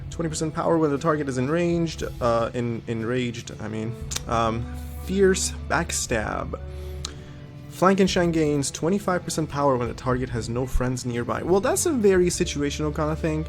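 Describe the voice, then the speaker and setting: A man's voice: a little high, lively intonation, normal speed, faint music behind. Sniffly man thinking aloud over a game. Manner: thinks aloud, reads game text, many ums. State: sniffly with a cold. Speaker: gaming video host. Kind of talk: casual let's-play commentary.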